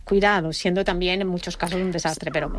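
A woman's voice: lowish voice, steady tone, brisk. A woman from Barcelona interviewing her guest, asking friendly, leading questions with some hesitation. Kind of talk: radio-style interview questions.

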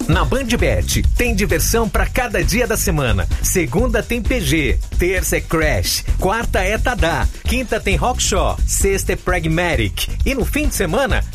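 A man's voice: sits high, big pitch swings, a little slow, hardly any pauses, over music. A man reading an upbeat, punchy radio ad. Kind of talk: radio ad read.

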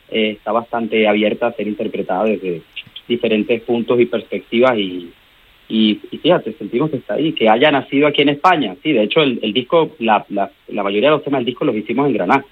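A man's voice: mid-range voice, husky. A man from Venezuela, a band member answering radio interview questions in a reflective way, searching for words. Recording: tinny phone-like radio sound.

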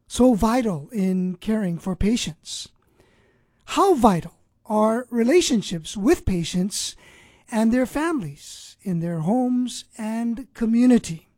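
A man's voice: high voice, mellow, no echo. A man hosting a Christian radio ministry show, speaking earnestly and preachily, sometimes restarting his words.

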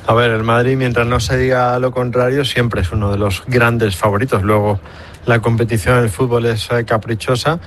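A man giving measured football analysis on a radio sports show, pausing often with fillers. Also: mid-range voice, steady tone, slight background noise. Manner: measured, frequent hesitations. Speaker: football pundit.

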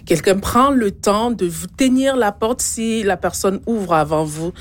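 A woman's voice: medium pitch, measured pace. A woman speaking as a radio panelist, earnest and reflective.

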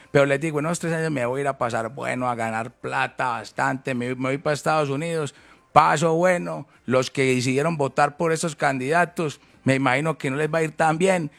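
A man's voice: medium pitch, vocal fry, a bit bright. A man in his fifties with a Colombian paisa accent, a presidential candidate talking emphatically in a heated interview. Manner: emphatic, repetitive, calls people brother.

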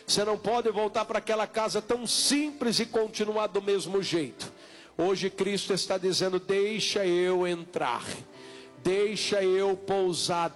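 High-voiced Brazilian preacher, insistent. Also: male voice, a bit bright. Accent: Brazilian Portuguese. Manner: insistent, repetitive exhortation with drawn-out calls. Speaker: pastor leading an altar call. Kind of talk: evangelical sermon, altar call and prayer.

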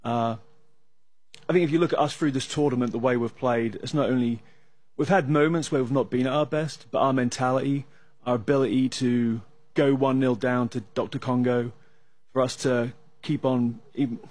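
A man with an English accent, an analyst calmly breaking down soccer tactics with some hesitation fillers. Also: mid-range voice, no room sound. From England. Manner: measured, analytical, with frequent uh fillers. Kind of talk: sports talk discussion.

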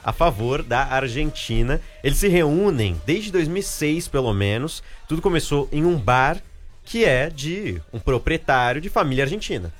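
A man reporting on air and introducing recorded interviews, with a lively manner. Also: a little high, moderate pace, soft background music. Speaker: radio reporter. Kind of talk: news report with commentary.

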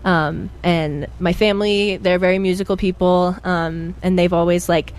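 A young musician from Pennsylvania, appearing as a guest in a casual interview, chats in a bubbly way with many fillers. Her voice is on the low side, smooth and steady, at a moderate pace.

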